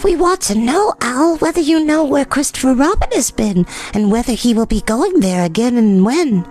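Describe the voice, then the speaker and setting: A man voicing Piglet, a small, timid and anxious male piglet, in a squeaky, fretful voice. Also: lively intonation, normal speed, darkish tone, soft background music. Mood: eager.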